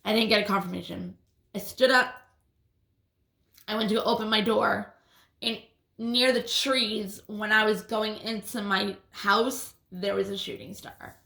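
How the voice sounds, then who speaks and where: Woman vlogger with a lisp, gravelly fry, roomy echoey sound, casual and profane. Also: medium pitch, steady tone, a little slow, sharp tone. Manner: casual, swears often, restarts sentences. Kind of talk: rambling personal storytelling. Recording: roomy echo.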